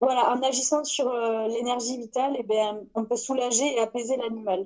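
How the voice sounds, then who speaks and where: Monotone, flat intonation with very even loudness, a moderate pace and a southwestern French accent. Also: woman, high pitch for a woman. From southwestern France, near Toulouse. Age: 20s. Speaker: animal bioenergy therapist. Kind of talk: casual chat.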